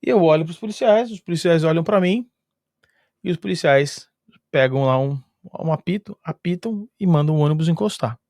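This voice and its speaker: A man with a Brazilian Portuguese accent, his voice sitting a little higher than most men's, tells a travel story in relaxed conversation. He is lively, chuckles often and fills gaps with sound-effect words. The recording is dry and close, with no room echo. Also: normal speed. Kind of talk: casual spoken storytelling.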